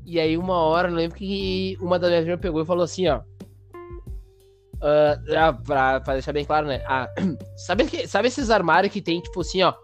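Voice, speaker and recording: A man, hosting a podcast and telling a story in a lively, slangy way. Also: fairly high pitch, normal speed, soft background music. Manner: animated, slangy, acts out sounds and voices. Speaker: podcast host. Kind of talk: casual storytelling.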